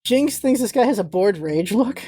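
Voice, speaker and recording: A man's voice: extremely high pitch, lively intonation, moderate pace, warm tone, a little hiss or hum. A man hosting a game voice-through, giving casual commentary with muttered, self-questioning asides. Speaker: let's play host.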